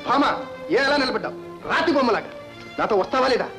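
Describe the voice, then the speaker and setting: An actor playing a proud, angry young husband who speaks defiantly and sermonizes, with a husky voice in old film melodrama style. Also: male voice, very high voice, animated, fast, music in the background, low-quality recording.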